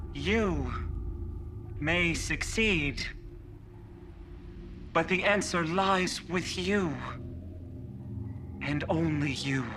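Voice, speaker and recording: Using a put-on character voice pitched high, a man speaks very slowly with long, frequent pauses over clear background noise. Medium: short film. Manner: solemn.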